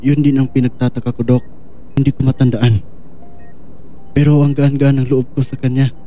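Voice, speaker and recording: A man's voice: medium pitch, little pitch movement, moderate pace, warm tone, natural voice. A man acting a troubled, earnest young man with lost memories in an audio drama. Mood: confused.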